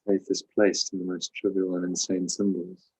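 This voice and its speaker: A man with a low, slightly rough voice leads a guided spiritual meditation. His intonation stays very even as he gives calm, measured instructions, leaving pauses between phrases. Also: poor audio. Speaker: meditation teacher and host.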